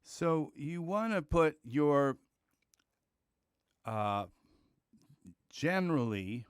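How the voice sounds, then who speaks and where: Slow, clear-voiced man explaining software. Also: on the high side, sing-song, no echo, clean studio sound. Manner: thinking aloud, loose and chatty, with sound-word beats. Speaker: music tutorial host. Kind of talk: screen-recorded software tutorial.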